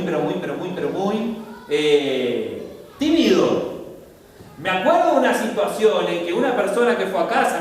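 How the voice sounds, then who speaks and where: A man with a Rioplatense Spanish accent preaching a sermon as a pastor, animated, acting out little dialogues with big swings in his voice. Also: high-pitched. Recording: echoey hall, voice from far off, faint music.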